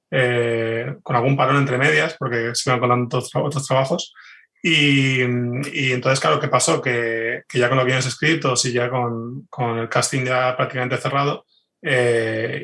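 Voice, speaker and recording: A man's voice: medium pitch, pushed and bright. A man with a Spain accent answering in a conversational interview, hesitantly repeating words as he thinks. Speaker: podcast guest, fiction writer.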